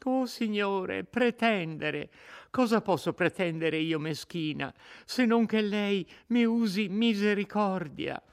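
A man's voice: sits high, animated, slow pace, creaky, clean tone, voice pushed up, exaggerated voice. A man reading aloud voices a frightened young peasant woman who begs desperately and trembles. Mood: pleading, desperate.

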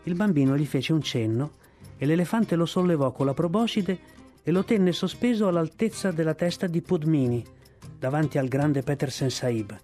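A man reading a novel aloud in steady, measured narration. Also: on the high side, faint music behind. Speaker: reader.

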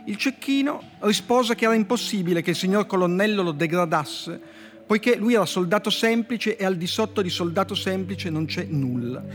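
High-voiced man reading deadpan fables. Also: a little hiss or hum. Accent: Italian, from Turin. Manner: dry, deadpan delivery with slow pauses at punchlines. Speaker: poet guest reading his fairy tales. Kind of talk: reading short comic fables aloud on live radio. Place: radio studio. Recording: music bed playing faintly behind.

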